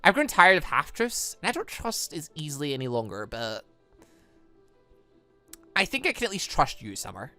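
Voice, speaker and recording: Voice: medium pitch, very animated, moderate pace, long pauses, pushed and bright, faint music behind. A let's player voicing a protective, guarded young hero from a visual novel, serious and wary.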